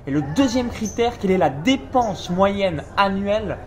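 A man hosting a casual business interview at a seminar, explaining and coaching listeners in a brisk way. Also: high voice, lively intonation. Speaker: YouTube interviewer and host. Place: seminar venue.

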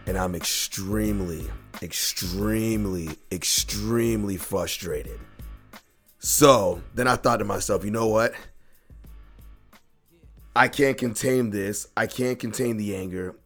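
A hoarse man who has lost his voice, hosting a sports podcast alone and ranting in frustration with plenty of swearing and repetition. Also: fairly low pitch, slow pace, soft background music. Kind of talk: solo ranting sports talk.

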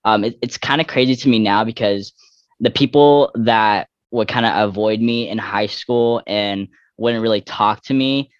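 A young trans man speaks in a low register, working through his thoughts haltingly with lots of fillers and self-corrections. The sound is dry and a bit muffled, as if recorded close on a modest mic. He sounds candid and personal. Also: clear, resonant tone, dry recording. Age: young adult. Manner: reflective, halting, many fillers and restarts. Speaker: interview guest.

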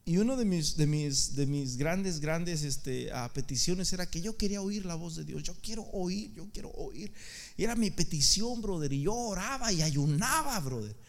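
Male preacher with a high voice, fervent and repetitive, climbing into shouts at his peaks. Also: animated, moderate pace, few pauses. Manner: impassioned, repeating words, building to shouts. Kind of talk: sermon.

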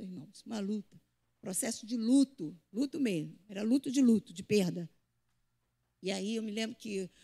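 A woman preaching a sermon to a church, lively and full of swings between loud and soft, acting out the voices she quotes. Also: medium pitch, vocal fry, husky. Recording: long hall reverb.

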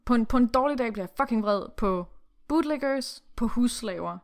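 A woman's voice: a little high, lively intonation. Blunt podcast woman who swears. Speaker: podcast host. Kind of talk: casual chat with reading aloud.

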